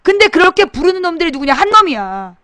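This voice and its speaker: High-pitched woman ranting casually to her webcast chat, blunt, keeps asking rhetorical questions, dry close mic. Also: big pitch swings, fast talker, a bit bright, dry recording. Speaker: host of a political talk webcast. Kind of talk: casual political commentary to a live chat audience.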